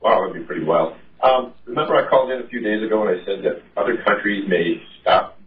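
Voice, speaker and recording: A deep-voiced man calls in to a radio talk show from a speakerphone. The line is thin and tinny with no bass, and he sounds set back from the microphone. He chats and asks questions in a casual way. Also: quick pace, far from the mic. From Arizona. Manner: chatty and questioning. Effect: thin, bass-less speakerphone sound. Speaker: caller. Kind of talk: casual call-in chat.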